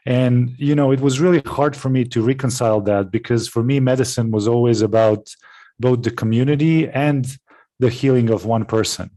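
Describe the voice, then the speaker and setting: A man from Serbia, giving a presentation over a video call, full of pauses, fillers and restarts. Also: mid-range voice, fairly even intonation, dark tone. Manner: hesitant, many fillers and restarts. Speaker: webinar presenter. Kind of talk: online presentation. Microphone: video call with headset.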